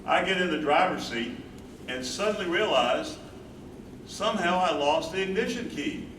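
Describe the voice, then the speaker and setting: Staged reading: loving, troubled husband played by a male actor, higher-set voice, noisy roomy recording. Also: animated, moderate pace, fairly bright tone. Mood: haunted, reflective. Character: devoted husband and carer, loving, troubled, reflective. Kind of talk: staged reading, dramatic monologue. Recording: echoey distant stage recording, clear noise.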